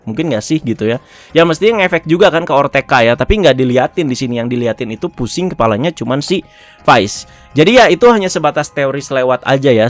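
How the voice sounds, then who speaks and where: A man's voice: on the high side, dry recording. A man giving a casual, chatty review of a TV episode, often chuckling and tagging his phrases.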